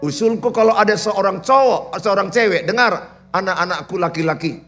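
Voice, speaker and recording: A man preaching a sermon as pastor, in an animated, teasing and humorous way. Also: high-pitched, normal speed, soft background music. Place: church.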